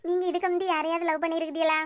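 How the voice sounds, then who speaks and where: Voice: very high voice, level tone, rapid-fire. A performer voicing a playful, teasing young wife in a cartoon, chatty and wheedling. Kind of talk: cartoon voice acting.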